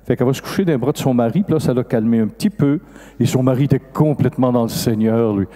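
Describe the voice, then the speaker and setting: An older Catholic priest with a Québécois French accent, telling a story in a sermon and acting out the dialogue. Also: male voice, fast. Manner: animated, acts out dialogue with sudden rises in pitch. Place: large festival hall. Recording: long reverb of a large hall.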